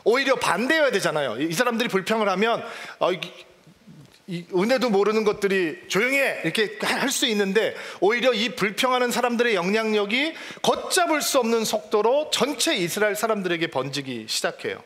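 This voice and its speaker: High-voiced pastor preaching in a reverberant church. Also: male voice, expressive, fairly quick, fairly bright tone. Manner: conversational preaching, asks the congregation questions. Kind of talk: sermon.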